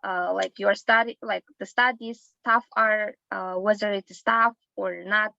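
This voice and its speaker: A woman, a non-native English speaker, hosting an interview in English and asking halting questions with many fillers and pauses. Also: mid-range voice, fairly even intonation, gravelly, bright, forceful tone, no room sound, muffled recording. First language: not English. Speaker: host, English teacher.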